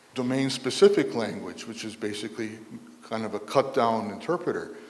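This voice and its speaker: The man's voice carries audible room echo. Noticeable background noise is also present. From Chicago, US Midwest. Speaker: software consultant and conference speaker. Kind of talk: lightning talk at a conference. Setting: stage with audience.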